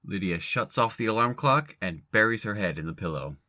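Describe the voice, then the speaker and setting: Casting: low-voiced narrator for scripted audio fiction, telling the action between lines. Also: animated, brisk, bright, forceful tone.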